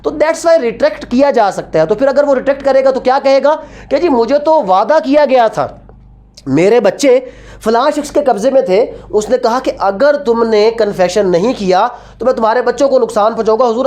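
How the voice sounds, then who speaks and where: High-pitched Pakistani woman lecturing. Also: warm tone. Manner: didactic, repeats points and questions, switches between Urdu and English. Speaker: law lecturer. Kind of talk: classroom lecture with rhetorical questions.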